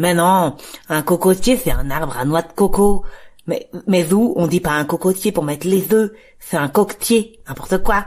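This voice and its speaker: Using a put-on character voice, a woman rumbles at a medium pitch and a moderate pace. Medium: audio drama. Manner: grumbling, indignant.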